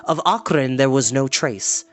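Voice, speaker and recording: A man hosting a storytime, chatty and animated, moving between casual talk and story reading. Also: medium pitch, measured pace. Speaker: storytime host and reader. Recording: music playing in the background.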